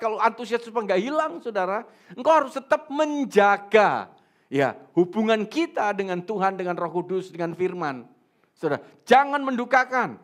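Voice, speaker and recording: In church, a man gives a lively sermon to the room, his fairly high voice highly animated and swinging up and down. He's a pastor who questions the congregation and throws in jokes as he goes.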